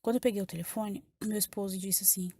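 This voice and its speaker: A Brazilian-accented woman speaks fast in a warm, slightly rough, medium-pitched voice with fairly even intonation, with no room sound. She is giving an emotional personal testimony to a church congregation in Brazilian Portuguese, repeating phrases as her story unfolds.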